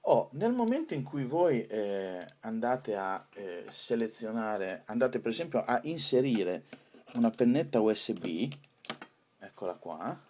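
A man presenting an informal software tutorial, improvising hesitantly with drawn-out pauses. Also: on the low side, animated, a little hiss or hum.

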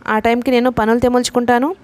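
A woman reading a novel aloud, voicing a middle-aged father who gently scolds his daughter. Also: fairly high pitch, flat delivery, quick pace, close to an everyday voice. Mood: reproving. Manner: gently reproving.

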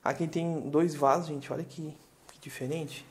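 A real estate agent from southern Brazil gives a chatty, enthusiastic tour of a large furnished house, talking to viewers from indoors. His voice is a little high, with fairly even intonation and a moderate pace.

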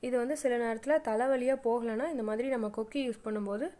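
A woman's voice: fairly high pitch, steady tone, fast, mellow. A middle-aged woman, narrating a step-by-step sewing tutorial with plain, patient instructions. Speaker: craft channel host.

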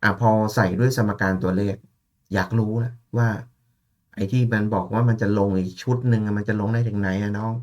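A man's voice: fairly low pitch, fairly even intonation, fairly quick, darkish tone, dull audio. A man giving a casual, chatty analysis of gold price charts, thinking aloud and addressing listeners familiarly.

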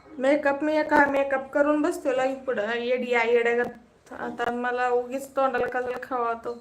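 A woman's voice: on the high side, flat delivery, moderate pace. A woman with a Solapur Marathi accent hosting a casual phone livestream, chatting and teasing viewers as she reads their comments. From Maharashtra, India. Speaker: livestream host. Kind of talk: casual live chat reading comments.

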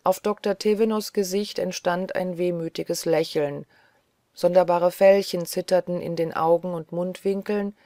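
In a measured, even storytelling style, a woman reads scripted narration as an audiobook reader. Her voice is on the low side, and the recording is dry and studio quality.

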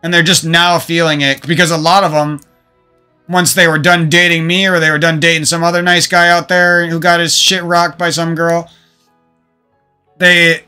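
Into a desk microphone at home, a gaming streamer rambles profanely about his past relationships, restarting often as faint music plays behind him. His voice is a little high, pushed, bright and smooth, with little pitch movement and a moderate pace.

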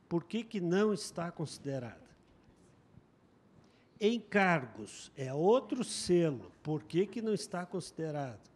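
An older man on a handheld microphone in a large auditorium, making measured points as a consumer council representative at a public meeting. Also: on the high side, darkish tone. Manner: deliberate, measured questioning. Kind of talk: formal public meeting remarks.

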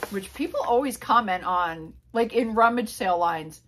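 Rambling middle-aged lady doing a haul video, mid pitch, faint hiss behind her. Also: expressive, moderate pace, a bit bright. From Pennsylvania, USA. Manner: rambling, chatty, many fillers and asides. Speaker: reseller vlogger. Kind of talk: casual haul chat to camera. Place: small indoor room with a couch. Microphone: camera on a tripod at a few feet.

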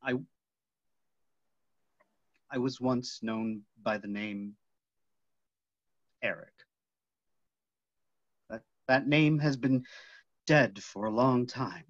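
A man playing a tormented, obsessive phantom in a staged reading, halting and dramatic, moving between hushed and loud. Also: medium pitch, dry recording. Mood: haunted. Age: middle-aged. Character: tormented, obsessive masked phantom, possessive male lover. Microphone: computer mic on video call. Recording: muffled video call audio.

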